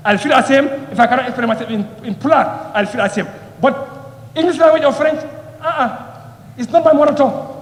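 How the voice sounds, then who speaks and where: A man giving an impassioned parliamentary speech, repeating phrases and firing rhetorical questions. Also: very high voice. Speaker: member of parliament. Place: parliament chamber. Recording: echoey hall with long reverb.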